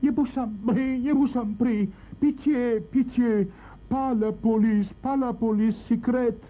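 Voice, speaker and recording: A man voicing a shabby little man who pleads with a put-on foreign accent and then turns calm and menacing, in a storybook crime reading. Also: mid-range voice, takes it slowly, slightly rough, pitched above the performer's own voice, heavily acted. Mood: pleading. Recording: tinny lo-fi recording, faint hiss.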